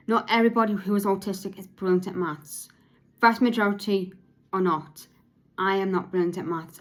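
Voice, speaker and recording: A woman hosting her own podcast, speaking about her life with autism in a halting way, with many restarts, and at times in a monotone. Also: medium pitch. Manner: says her voice is sometimes monotone; halting, with frequent restarts and repeated words. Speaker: podcast host. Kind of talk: personal monologue about autism.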